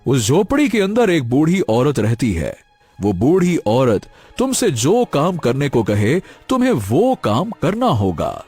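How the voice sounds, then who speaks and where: An actor voicing a wise, mysterious old hermit sage in a cartoon story, speaking calmly and soothingly. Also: male voice, medium pitch, breathy edge, soft background music, full character voice. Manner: calm, soothing, measured.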